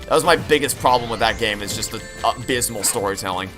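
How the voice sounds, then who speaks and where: A man's voice: fairly low pitch, fast talker. A young man giving casual, opinionated, rambling commentary as he plays through a video game. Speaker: video game playthrough streamer. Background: game music.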